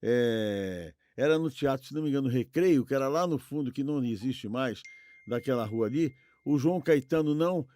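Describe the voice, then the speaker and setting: A man's voice: medium pitch, animated, moderate pace, warm tone. An older man, chatting casually as a co-host and reminiscing in an effusive, exclamatory way. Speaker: podcast co-host.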